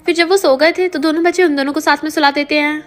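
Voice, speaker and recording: High-pitched woman narrating a drama recap, rapid delivery, soft music underneath. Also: fairly even intonation. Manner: retells scenes, quoting each character's lines. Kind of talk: scripted story narration.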